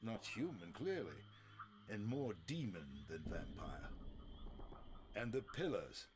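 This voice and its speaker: An ancient vampire lord for a video game, haughty and world-weary. His speech is very slow and theatrical, with big sweeping swings of pitch and a bitter, sardonic edge. There is clear noise on the recording. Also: sing-song. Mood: grave, interrogating. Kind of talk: video game cutscene acting.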